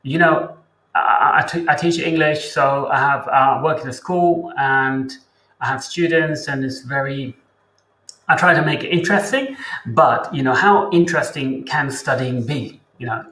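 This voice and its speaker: A man who teaches English hosts a casual interview chat, talking in a chatty way and thinking aloud with pauses. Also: mid-range voice, bright, forceful tone, roomy sound, low-quality recording.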